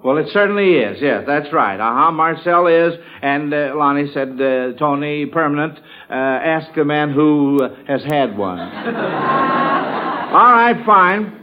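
A man hosting a 1940s radio quiz show in a halting, folksy way, often stammering through false starts. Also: fairly high pitch, lively intonation. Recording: muffled, noisy old radio broadcast.

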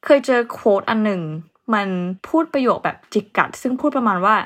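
A young woman who teaches English hosts a casual vocabulary lesson, chatting easily and spelling words out letter by letter. Her voice is a little high, with lively intonation and a brisk pace.

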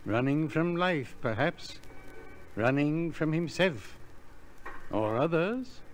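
Slow, courtly skid row philosopher. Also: male voice, fairly high pitch, animated. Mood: earnest warning. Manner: formal, preachy, halting. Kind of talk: old-time radio acting. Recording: old radio recording, faint noise.

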